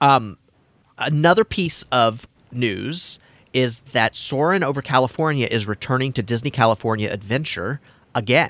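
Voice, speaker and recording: A man with an American accent and a plain, everyday voice speaks at a moderate pace with lively intonation. The recording is very clean with a silent background, and the sound is dry and close with no echo. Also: medium pitch for a man. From Chicago area, US Midwest. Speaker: podcast host. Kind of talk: casual chat.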